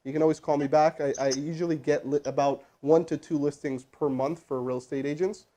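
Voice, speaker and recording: In an indoor room crowded with crew, an energetic sales trainer hosts a live stream of cold-call coaching. He hypes his viewers between calls, speaking rapidly and loosely with a slightly high voice, casual and pumped-up, with plenty of chatty asides.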